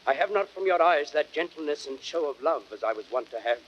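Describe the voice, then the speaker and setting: A man's voice: on the high side, expressive, fairly quick, highs cut off, close to an everyday voice. A man playing an envious, passionate Roman conspirator in vintage radio Shakespeare, speaking formally and insinuatingly. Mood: probing, insinuating. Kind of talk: 1930s radio Shakespeare acting. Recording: hissy vintage radio recording.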